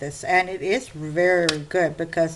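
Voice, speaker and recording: The intonation stays fairly even, while background noise can clearly be heard. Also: woman. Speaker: crafting video creator. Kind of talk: tutorial. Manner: casual, chatty with hesitations.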